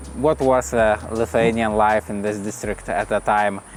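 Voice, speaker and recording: This man talks at a moderate pace with lively intonation, medium pitch, and an unremarkable speaking voice. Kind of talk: documentary interview intro.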